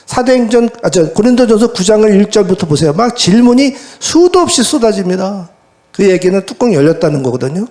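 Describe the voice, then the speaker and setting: High-voiced man preaching with rhetorical questions. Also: a little fast. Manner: lively, colloquial preaching with many rhetorical questions to the congregation. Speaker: pastor. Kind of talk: sermon. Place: church service.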